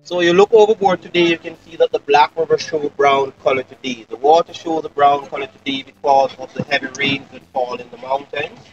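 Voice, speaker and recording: A man talks at a fairly quick clip with hardly any pauses, his loudness swinging widely. His pitch varies in an ordinary way, and faint music plays in the background. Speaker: boat tour guide. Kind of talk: tour guide commentary. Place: boat.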